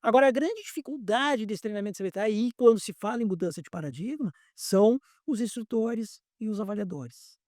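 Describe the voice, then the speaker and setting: A man's voice: high voice, animated, fairly quick, hardly any pauses, a little mellow, no room sound, studio quality. A man, an airline pilot examiner explaining things patiently in a podcast interview and often repeating words as he searches for them.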